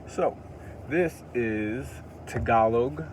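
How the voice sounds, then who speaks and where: A language teacher from the United States with a Californian accent gives a casual lesson, reading a children's alphabet book aloud. His mid-range voice draws out words as he repeats them for emphasis, earnest and a little preachy, over slight background noise.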